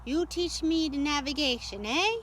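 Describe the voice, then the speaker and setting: A woman voicing an eager, soft-spoken young Hispanic sailor man in a storybook, with halting phrasing and Spanish words. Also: high voice, a little hiss or hum.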